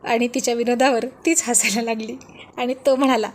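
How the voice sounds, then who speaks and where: A woman narrating a love story in a calm storytelling manner. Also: on the high side, brisk. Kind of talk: story reading.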